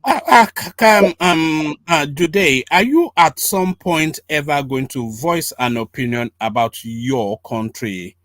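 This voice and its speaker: Host, man, high lively voice, relentless questioning, dry close mic. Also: slow pace, hardly any pauses, no echo. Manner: pressing, repetitive, talks over the guest. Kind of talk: heated live panel debate.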